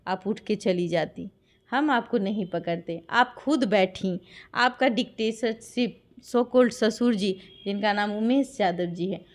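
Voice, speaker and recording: Speaking slowly in a medium-pitched voice, a woman with a Bihari accent from Bihar, India, recounts a dispute as an interviewee. Her testimony is impassioned and insistent, laced with rhetorical questions.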